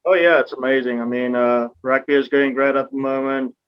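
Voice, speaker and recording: A young South African man whose first language is Afrikaans, a rugby player chatting in an interview, relaxed and hesitant with many fillers. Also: medium pitch, fairly quick, clear, resonant tone, dull audio. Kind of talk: casual interview chat.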